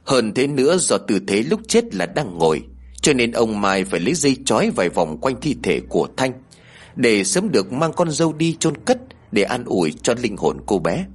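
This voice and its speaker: Husky male ghost-story narrator. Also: medium pitch, moderate pace. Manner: expressive storytelling.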